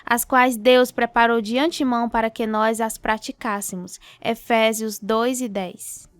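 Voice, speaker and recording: A woman with a Brazilian accent playing a devout, encouraging wife in a radio drama, with a gentle, reverent manner. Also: fairly high pitch, fairly even intonation, measured pace, smooth, no room sound, soft background music, close to an everyday voice. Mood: reverent, supportive.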